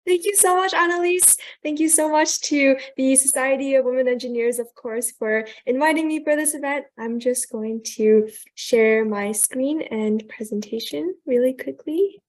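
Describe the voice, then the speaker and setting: A woman's voice: high-pitched, moderate pace, few pauses, darkish tone. A young woman, a student, giving an earnest, polished presentation over a video call. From Thailand, raised in New York. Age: young adult. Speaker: guest speaker.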